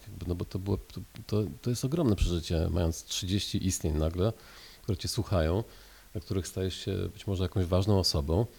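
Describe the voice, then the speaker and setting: With vocal fry and a dark, mellow tone, a man with a very deep, low pitch talks at a fairly quick pace using lively intonation. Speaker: teacher and author. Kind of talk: interview. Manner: halting.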